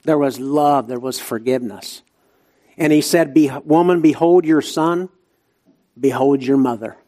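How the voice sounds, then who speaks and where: A man's voice: mid-range voice, measured pace, dark tone. Appalachian hillbilly man preaching a sermon. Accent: Appalachian hillbilly Southern US. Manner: emphatic short phrases with repetition and rhetorical questions.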